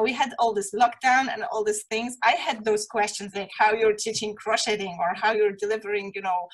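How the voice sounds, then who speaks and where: A woman with a high-pitched voice hosts a casual interview. Her tone has a husky edge, and she talks in an informal, enthusiastic manner. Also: rough recording. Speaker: interview series host.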